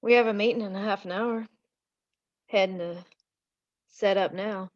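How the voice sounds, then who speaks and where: A woman's voice: medium pitch, fairly even intonation, moderate pace, no room sound, dull audio, lightly acted. A woman playing a folksy, chatty married townswoman from a mining town in a screenplay table read. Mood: friendly.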